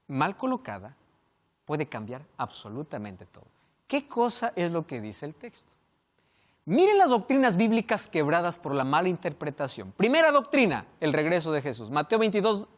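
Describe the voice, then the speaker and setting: A man preaching a sermon, asking rhetorical questions and swinging from loud emphasis to hushed endings. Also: sits high.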